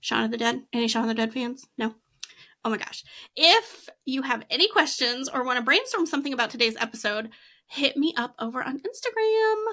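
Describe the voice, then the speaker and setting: A woman with a high, bright and sharp voice speaks in a raised, projected voice at a fairly quick pace. Her tone is animated, her pitch swings very widely, and the recording is very clean with a silent background. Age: 40s. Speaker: podcast host and graphic designer. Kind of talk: casual solo monologue.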